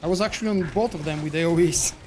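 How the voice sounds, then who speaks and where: A Bulgarian man with a Bulgarian accent streams a game, chatting casually with viewers and answering chat between fights in a relaxed, rambling way. His voice is a little high and very fast, heard over music.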